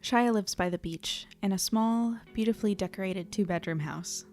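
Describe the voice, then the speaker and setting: A woman's voice: medium pitch, normal speed, darkish tone, soft background music, natural voice. A woman playing an earnest, anxious female reporter in an audio drama, conversational, tentative and a little self-deprecating. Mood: wry narrating. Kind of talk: naturalistic audio drama acting and narration.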